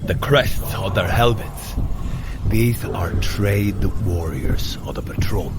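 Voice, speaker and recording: An actor playing a hearty, commanding Norse warrior god in a fantasy audio drama, speaking in a grand, formal manner. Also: male voice, on the low side, lively intonation, slow pace, vocal fry, heavy background noise, full character voice. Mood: strategic, resolute. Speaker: actor in an audio fitness adventure.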